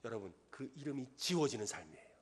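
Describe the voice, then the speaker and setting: A middle-aged man preaching a sermon as pastor in a church, earnest, rising to loud emphatic peaks. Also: mid-range voice, sing-song, fast talker. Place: church sanctuary.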